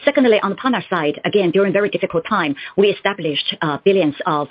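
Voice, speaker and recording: A woman executive giving formal, somewhat halting answers to analysts on an earnings call. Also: medium pitch. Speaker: company executive. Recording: muffled conference call audio.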